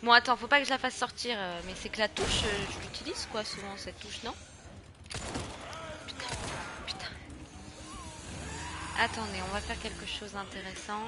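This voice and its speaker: A young French woman streaming a horror game, chatting casually and swearing in loud bursts, with a stuffy nose from being sick. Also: mid-range voice, moderate pace, pauses often, heavy background noise. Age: 20s. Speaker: gaming streamer. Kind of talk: casual let's play commentary.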